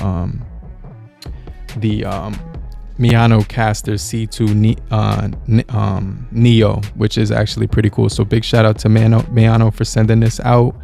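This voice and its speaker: A man giving a relaxed, casual product review, talking with many halting fillers. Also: on the low side, gravelly. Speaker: gear reviewer. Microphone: podcast mixer with microphone.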